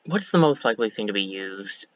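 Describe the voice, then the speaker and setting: A slightly hoarse man streaming a game, chatting casually and thinking aloud as he corrects himself. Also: lowish voice, animated, brisk, fairly bright tone, lo-fi sound, a little hiss or hum. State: a bit hoarse. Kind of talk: casual let's-play commentary.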